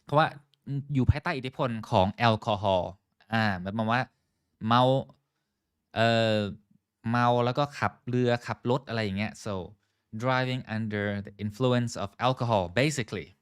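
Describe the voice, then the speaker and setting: A man's voice: mid-range voice, measured pace, a bit bright, clean tone, no room sound. Man teaching English live, dry close sound. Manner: switches between English and Thai, drills pronunciation, greets viewers by name. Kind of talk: live online English lesson, mixing Thai and English.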